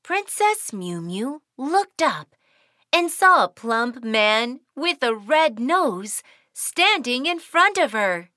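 A woman's voice: fairly high pitch, sing-song, slow, sharp tone, no echo, clean studio sound. A woman narrating a children's cartoon in a sing-song, cheerful storytelling way.

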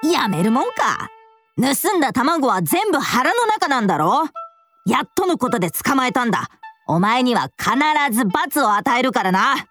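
A woman's voice: a little high, very animated, moderate pace, a bit bright, faint music behind. Woman voicing a stern young tyrannosaurus boy. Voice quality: boyish, tough, scolding. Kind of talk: children's audio drama acting.

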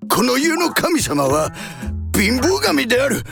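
A man's voice: extremely high pitch, wildly swooping pitch, unhurried, creaky, a bit bright, soft background music, heavily acted. An actor playing a timid, tearful old male poverty god in a children's folktale, with old-fashioned country speech. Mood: defiant.

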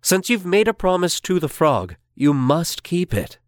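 A stern, kindly old king from a children's storybook, voiced by a woman narrator. His low voice swings widely in pitch as he questions and lectures his daughter, gentle but unyielding. The sound is dry and close. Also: sing-song, a little slow, no room sound. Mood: firm.

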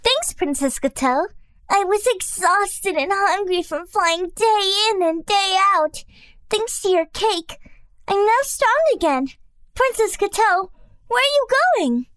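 A woman's voice: animated, normal speed, no room sound. A woman voicing a small, cheerful, grateful bird for a children's cartoon. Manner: high, bright and chirpy.

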